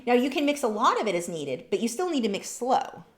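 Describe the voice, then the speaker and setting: A woman's voice: on the high side, sing-song, brisk, echoey room. A woman running a live painting lesson, chatting casually and reading out viewers' comments as she works. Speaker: art instructor. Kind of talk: live painting tutorial with chat.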